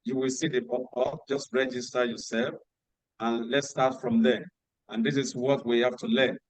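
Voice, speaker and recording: A man's voice: medium pitch, level tone, no echo, low-quality recording. Man, workshop host, video call, instructive, dry close sound. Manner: instructive, repeats key details slowly. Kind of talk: announcements at an online meeting.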